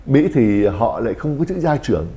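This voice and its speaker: A man's voice: medium pitch, sing-song, normal speed, mellow, lo-fi sound. A man who is a Catholic priest, explaining family life in a talk show discussion and acting out little quoted exchanges.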